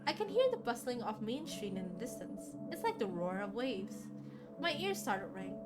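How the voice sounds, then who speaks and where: A woman's voice: mid-range voice, big pitch swings, moderate pace. A woman streamer reading a visual novel aloud expressively, with casual asides. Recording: music under the voice. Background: game music.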